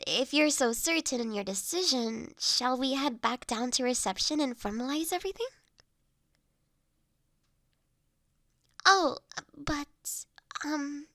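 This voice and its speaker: A woman playing a polite, gentle human lady in an intimate audio roleplay, speaking formally and courteously with soft hesitations. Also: high voice, dry recording, clean studio sound. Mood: curious, puzzled. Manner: courteous, formal wording, softly hesitant with pauses.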